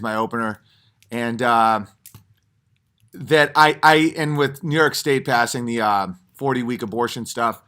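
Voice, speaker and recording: Bright-voiced man rambling through stories. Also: medium pitch. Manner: digressive storytelling with frequent fillers and restarts; animated, jumps into mock voices for punchlines. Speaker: comedian hosting his own stream. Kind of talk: rambling off-the-cuff monologue.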